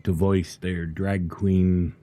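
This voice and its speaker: Low, mellow middle-aged male gamer. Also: flat delivery, slow pace. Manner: thinking aloud, reading item names. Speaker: gamer playing and commenting. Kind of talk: casual gameplay commentary.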